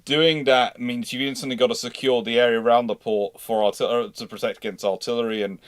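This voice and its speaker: A man's voice: mid-range voice, fairly even intonation, fairly quick, dry recording. A man hosting a live history question-and-answer discussion, rambling and often restating himself mid-sentence. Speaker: host of a live naval history Q&A.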